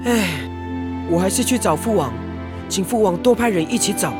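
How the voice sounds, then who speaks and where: An actor playing an earnest, hot-headed young tribal prince in a radio drama, with emphatic, declamatory delivery. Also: male voice, high voice, animated, normal speed, music in the background. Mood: worried.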